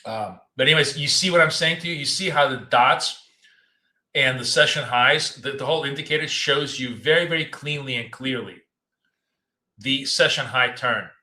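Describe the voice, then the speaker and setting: A man running a live trading stream from his apartment office. He chats loosely and doubles up words, and his voice is going hoarse. His tone is bright and forceful, and the room gives it a noticeable echo. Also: medium pitch, normal speed. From United States. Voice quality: talkative, repeats himself, loose and chatty. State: losing his voice, coughing. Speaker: trading show host. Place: home office in a city apartment.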